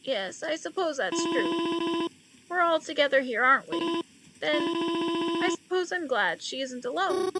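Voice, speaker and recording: A woman voicing a heartbroken elderly mother at her daughter's funeral, speaking slowly and gently. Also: very high-pitched, over loud music, pitched above the performer's own voice. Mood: grateful. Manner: slow, tearful, gentle. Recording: loud background noise.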